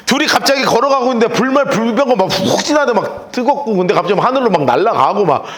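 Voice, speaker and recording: A male pastor teaching the Bible in a lively storytelling sermon, telling listeners what to write down. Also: very high-pitched, fast. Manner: lively storytelling, gives note-taking instructions.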